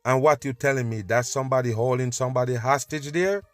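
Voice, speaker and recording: A man's voice: mid-range voice, steady tone, fast talker, dry recording. A male host reacting to video clips with emphatic, scornful commentary, urging listeners to pay attention.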